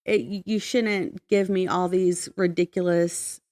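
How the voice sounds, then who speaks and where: A woman's voice: fairly low pitch, fairly even intonation, slow, a little mellow, no echo, clean studio sound. An American woman co-hosting a podcast in casual chat, matter-of-fact and opinionated as she airs her complaints. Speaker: podcast co-host.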